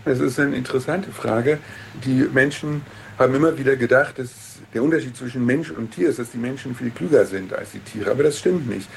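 A man explains his field in a radio interview, calm and measured in his delivery. His voice has a gravelly edge. Faint noise sits beneath it. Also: medium pitch. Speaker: interviewed expert.

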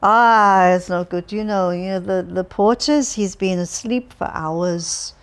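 Reading an audiobook character, a woman with a mid-range, clear, resonant voice close to her everyday one speaks unhurriedly as a cheerful, chatty elderly man. He's friendly but tiresome, rambling and stumbling while staying relentlessly upbeat.

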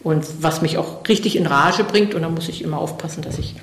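A woman's voice: low-pitched, fairly quick, echoey room. A middle-aged woman from eastern Germany answering interview questions thoughtfully, with many fillers and restarts. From East Germany.

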